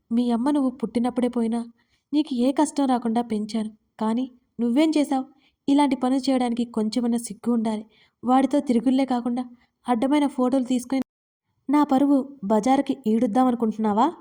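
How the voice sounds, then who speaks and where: A woman voicing a stern, angry middle-aged father who shouts and scorns, in a storybook reading. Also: fairly high pitch, steady tone, fairly quick, long pauses, lightly acted. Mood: furious.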